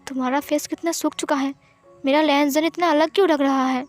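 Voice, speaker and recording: A woman's voice: sits high, fairly even intonation, fairly quick, soft background music, close to an everyday voice. A woman voicing a caring, protective young man who coaxes and soothes, in a storybook reading. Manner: soothing, coaxing questions.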